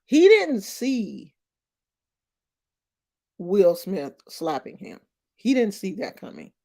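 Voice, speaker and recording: Woman, 50s, slow unhurried delivery, emphatic, streetwise, casual vlog commentary. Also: medium pitch, wildly swooping pitch, gravelly, warm tone. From Oakland, California. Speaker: vlogger.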